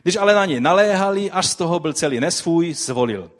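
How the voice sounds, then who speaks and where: A man preaching a sermon, telling a story vividly and putting rhetorical questions to his listeners. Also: fairly high pitch. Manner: addresses the audience with rhetorical questions; animated storytelling with swings in loudness.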